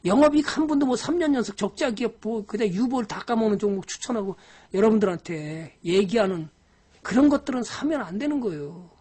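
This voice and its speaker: A woman's voice: mid-range voice, animated, a little fast, mellow, breathy edge. A woman giving a live-streamed lecture on stock investing. She talks to viewers directly in a scolding, exasperated way, with frequent sighs.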